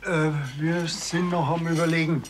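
A man's voice: fairly high pitch, level tone, moderate pace, a little hiss or hum, close to an everyday voice. A man acting as a good-natured, reluctant older husband in a naturalistic TV drama, hesitant and conversational.

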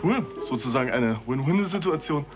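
A man's voice: on the high side, lively intonation, brisk, over music, close to an everyday voice. A young man acting as a friendly, somewhat tactless character in a naturalistic TV drama, casual and conversational.

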